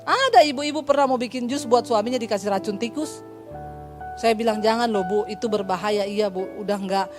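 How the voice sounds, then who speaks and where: High-voiced woman pastor preaching. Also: fairly quick, over music. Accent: Indonesian. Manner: lively storytelling, acts out dialogue, humorous asides. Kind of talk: sermon.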